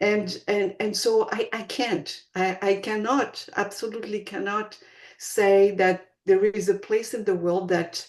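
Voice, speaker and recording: A woman with a French accent talks at a fairly slow pace. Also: medium pitch for a woman. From France. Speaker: educator and intercultural consultant. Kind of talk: interview conversation. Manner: halting.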